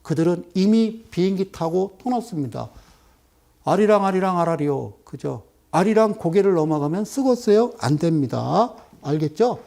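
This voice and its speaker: A middle-aged man lecturing viewers over a stock chart, animated and full of rhetorical questions and sudden exclamations. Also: high voice, normal speed, gravelly, hardly any pauses.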